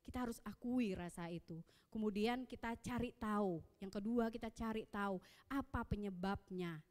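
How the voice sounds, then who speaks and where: A woman in her thirties with an Indonesian accent, preaching at a youth service and telling personal stories in a lively way. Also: mid-range voice, normal speed. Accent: Indonesian, Samarinda. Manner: lively storytelling, acting out dialogue. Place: church hall. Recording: long echo of a church hall.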